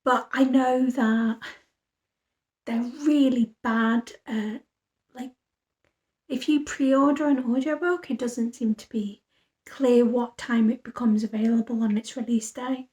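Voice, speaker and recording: Slow-talking, tired woman vlogger. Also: on the high side, fairly even intonation, darkish tone. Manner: rambling, thinking aloud with fillers. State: tired after reading all night. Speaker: book vlogger. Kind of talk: casual vlog chat.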